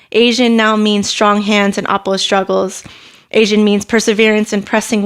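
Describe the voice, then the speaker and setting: A woman's medium-pitched voice with a Californian accent, monotone and flat, at a moderate pace and very even loudness. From California, Stockton. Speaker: poet and educator. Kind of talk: spoken word poetry performance.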